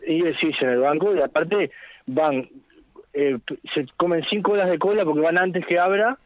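A man's voice: fairly high pitch, moderate pace, no room sound. A man calling in to a radio show over a patchy, choppy phone connection, telling wry anecdotes about his job in a casual, chatty way. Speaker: radio caller, bank teller. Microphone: telephone. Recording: dull lo-fi phone line, dry.

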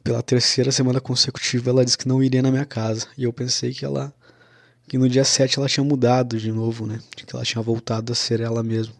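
A man's voice: medium pitch, flat delivery, quick pace, gravelly, no room sound, studio quality. A young man tells a personal story in a casual, confessional way. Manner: casual, confessional, with frequent "cara" and "né".

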